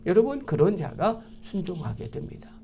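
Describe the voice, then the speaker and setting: Man, pastor, sermon, high pitch, very expressive, mellow tone, faint background noise. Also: moderate pace, vocal fry. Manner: animated, acts out quoted lines, drops to hushed whispers. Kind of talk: sermon with scripture reading. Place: church.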